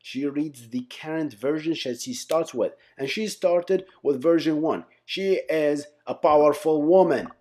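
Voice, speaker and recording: A man's voice: on the high side, measured pace, hardly any pauses, warm tone. A man giving an informal explainer lesson as an instructor, conversational and often checking in with his listeners. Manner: conversational, often checks in with "right?", "okay?", "guys". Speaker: software engineering instructor, channel host.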